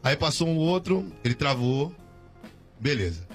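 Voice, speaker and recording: A man's voice: mid-range voice, big pitch swings, measured pace, soft background music. A man, a guest on a radio show, telling a story in slangy casual talk with many restarts.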